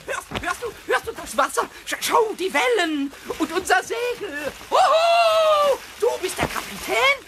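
Tiny male sprite: extremely high, shrill, swooping voice, excitable and cheeky, tripping over repeated words. Children's radio drama. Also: unhurried, few pauses, noisy background, exaggerated voice. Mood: jubilant. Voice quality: shrill, squawky. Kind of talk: German children's radio play acting.

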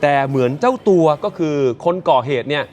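A man presenting morning news, retelling events in a lively, chatty way and addressing viewers directly. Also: on the high side, fairly quick, slight background noise.

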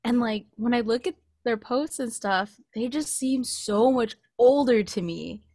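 A woman's voice: fairly high pitch, measured pace, darkish tone. American girl late 20s, casual podcast chat, close mic, no room echo. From California, United States. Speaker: podcast co-host. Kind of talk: casual chat, personal anecdotes. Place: small indoor home recording setup. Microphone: close studio mic with pop filter.

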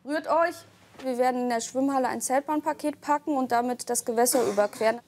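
High-pitched woman barking drill commands. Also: steady tone, fast, a little mellow, a little hiss or hum. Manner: commanding, clipped military delivery. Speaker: army platoon leader, first lieutenant.

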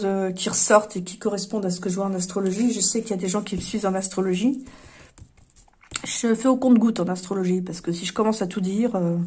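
A woman reading tarot cards in a casual, chatty vlog, talking emphatically, repeating words for stress and often clearing her throat. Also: mid-range voice, darkish tone. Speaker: tarot card reader.

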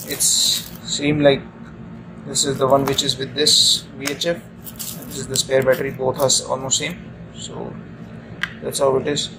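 A man giving an informal hands-on equipment tutorial, halting and repeating himself, recorded on a phone indoors. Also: mid-range voice, vocal fry. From India. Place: indoors at a chart table aboard ship. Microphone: handheld phone camera mic. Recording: noisy room, amateur phone video. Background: steady room noise.

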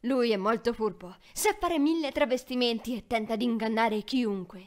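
A woman voicing a caring, protective mother goat in a storybook cartoon, warning her kids in a gentle voice. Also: fairly high pitch, moderate pace, natural voice.

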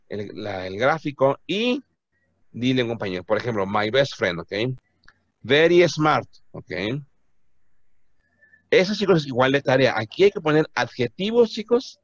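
Male English teacher drilling beginner students, animated delivery, patient repetition, dull dry audio. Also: medium pitch, dry recording. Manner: patient, repeats words slowly for pronunciation. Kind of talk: classroom teaching, mixing Spanish and English. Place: classroom.

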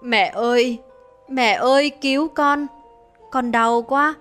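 A woman's voice: medium pitch, normal speed, bright, forceful tone, soft background music, close to an everyday voice. A woman voicing a suffering young pregnant village girl, wailing and pleading in pain. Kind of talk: dramatized horror storytelling.

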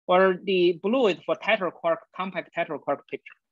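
Man giving a halting academic talk. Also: sits high, no echo. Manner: halting, many fillers like "uh, you know". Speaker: guest speaker. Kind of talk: academic colloquium talk over video call. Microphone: video call. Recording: dull lo-fi video call audio.

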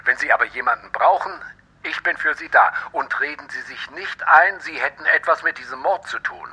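A firm, reassuring male doctor in a horror radio play. The voice is very bright and sharp, husky and a little high, with insistent, reasoning delivery. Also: brisk, exaggerated voice. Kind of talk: German horror audio drama acting.

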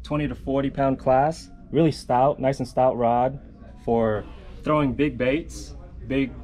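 A man's voice: mid-range voice, fairly even intonation, a little slow, mellow, faint music behind. A man on tackle shop staff, explaining a spinning setup in an easygoing way with frequent fillers. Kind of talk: casual product explanation.

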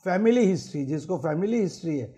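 A man's voice: high-pitched, expressive, fast talker, warm tone. A middle-aged man, a cardiologist, giving explanatory answers in a TV studio interview and mixing English phrases into his speech. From Mumbai. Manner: mixes English phrases into Hindi, lists symptoms and risks. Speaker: cardiologist guest. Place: TV studio set.

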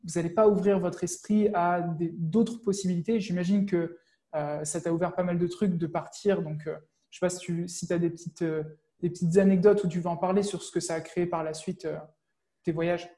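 A young man interviewing a guest over a video call in a relaxed, encouraging way, through an earphone mic. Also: high-pitched, brisk. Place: home room with bookshelves.

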